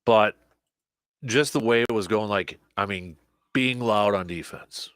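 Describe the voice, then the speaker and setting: A man hosting a casual sports talk show, a little hoarse, animated, often repeating and restarting his words. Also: on the low side, measured pace, dry recording, studio quality. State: slightly hoarse, losing his voice.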